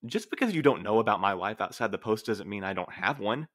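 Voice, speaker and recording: A man plays a reserved postmaster in an audio drama, his voice on the low side. He speaks formally and precisely, dry yet earnest, a dutiful sort who measures his words. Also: animated, quick pace, fairly bright tone. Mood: dignified. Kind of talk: scripted audio drama acting.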